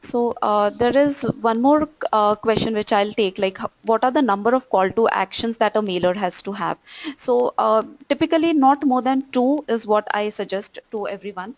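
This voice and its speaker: A woman's voice: on the high side, normal speed, dry recording. Woman moderating, dry muffled line. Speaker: webinar host. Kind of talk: moderating an audience question session.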